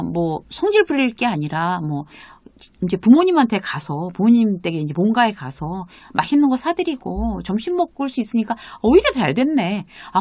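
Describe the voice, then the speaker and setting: A middle-aged woman hosting a self-help talk, speaking warmly to her viewers and acting out the remarks she quotes. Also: mid-range voice, no room sound. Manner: animated, acts out quoted remarks. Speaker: host.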